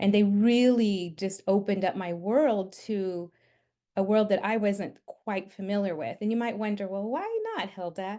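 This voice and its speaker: With a Californian accent, a woman speaks at a moderate pace. Her tone is dark and mellow, and her intonation fairly even. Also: medium pitch for a woman, quiet background. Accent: Californian American English. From California Central Valley. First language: Spanish. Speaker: math education leader. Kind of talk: webinar presentation.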